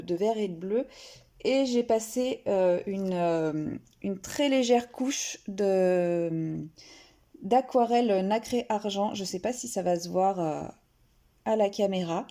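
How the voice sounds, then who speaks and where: A woman's voice: mid-range voice, unhurried, warm tone. Hesitant woman chatting about her coloring. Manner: hesitant, many fillers and restarts. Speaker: coloring hobby vlogger. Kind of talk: casual show-and-tell.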